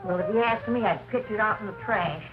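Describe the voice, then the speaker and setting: A woman's voice: mid-range voice, brisk, lightly acted. An actress playing a fussy older mother who doses herself with tonic, in a drawling, theatrical way. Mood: sarcastic. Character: fussy hypochondriac old mother, tipsy on tonic. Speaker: hypochondriac mother. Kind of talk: 1960s film comedy acting. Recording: muffled old film soundtrack with music.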